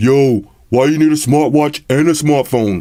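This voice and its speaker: Putting on a character voice, a man speaks at a fairly high pitch and a moderate pace. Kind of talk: street slang. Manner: mocking, dismissive.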